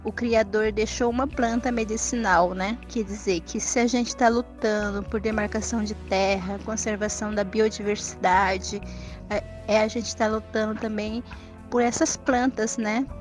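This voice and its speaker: Mid-pitched Brazilian woman explaining conversationally. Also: fairly even intonation, moderate pace, soft background music. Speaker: interviewee.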